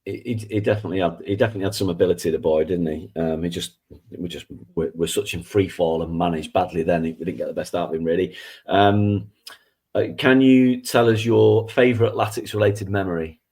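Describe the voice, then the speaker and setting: A man with a rough baritone, hoarse from flu, co-hosting a casual football podcast. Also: steady tone, a little fast, a little mellow. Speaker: podcast co-host.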